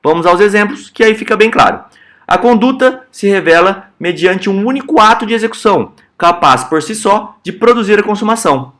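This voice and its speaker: Young Brazilian man, law teacher, casual explanatory lecture, somewhat high voice, checks in with students. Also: expressive, fairly quick, a bit bright. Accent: Brazilian Portuguese. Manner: conversational, checks in with "tá?" and "certo?".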